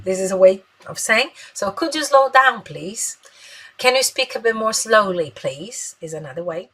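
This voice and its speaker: Brazilian woman, english teacher, bright tone, breathy voice, slow model phrases. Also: mid-range voice, animated, poor audio. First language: Portuguese. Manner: explains in Portuguese, models English phrases slowly; tags sentences with "né?". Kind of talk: bilingual English lesson.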